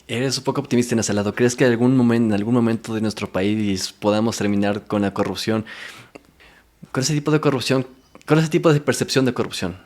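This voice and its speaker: A man's voice: medium pitch, steady tone, fairly quick, a little mellow. A man hosting a podcast, asking probing questions in casual interview chat. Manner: attentive, with short backchannels and probing questions. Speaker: podcast host.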